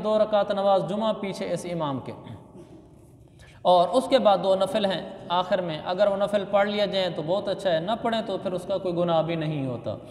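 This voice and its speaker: A man's voice: sits high, darkish tone. A man from Pakistan, giving a religious lesson as a mufti and explaining step by step, repeating key phrases. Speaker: mufti teaching Islamic law. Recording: echoey hall with long reverb.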